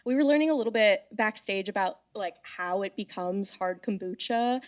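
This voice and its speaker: A woman's voice: mid-range voice, lively intonation, moderate pace. A woman hosting a live podcast in front of an audience, chatty and playful. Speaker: podcast host. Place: live event space with audience.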